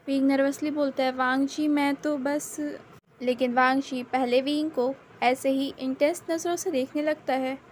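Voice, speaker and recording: Female story narrator, high pitch, steady plain telling, faint noise behind. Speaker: fan fiction narrator. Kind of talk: narrating her own fan fiction.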